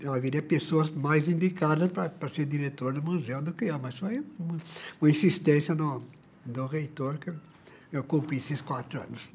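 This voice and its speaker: Hesitant older man, higher voice. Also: dark tone. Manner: hesitant, many restarts. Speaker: former museum director. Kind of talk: documentary interview.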